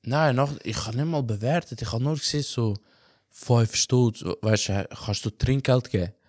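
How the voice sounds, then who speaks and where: Animated young Swiss German man. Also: mid-range voice, moderate pace, no echo, clean studio sound. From Albanian from Macedonia. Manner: animated, slangy storyteller with frequent filler tags. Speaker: podcast host. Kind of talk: casual storytelling chat.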